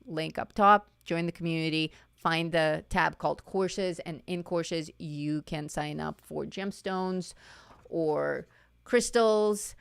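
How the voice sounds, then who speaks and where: A woman teaching art on a live stream, her voice slightly low, with a gravelly fry that is getting hoarse, yet smooth and clear. She chats casually, restarting and repeating her words. The sound is dry and close. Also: slow pace, no echo. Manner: chatty, self-correcting, repeats words. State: voice going hoarse. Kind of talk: live-stream coloring lesson.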